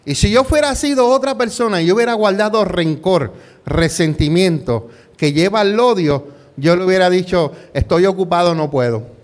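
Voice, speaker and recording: A middle-aged pastor whose voice sits a bit high for a man. He preaches in a chatty, storytelling way, tossing out rhetorical questions to the congregation and mixing English words into his Spanish. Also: animated, moderate pace. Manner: peppers talk with rhetorical questions and "¿verdad?". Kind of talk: conversational sermon with personal story.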